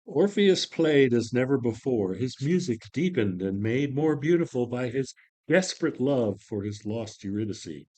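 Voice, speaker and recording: A man's voice: medium pitch, lively intonation, a little slow, a little mellow. A man reading narration from a play as dramatic storytelling. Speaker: narrator and reader.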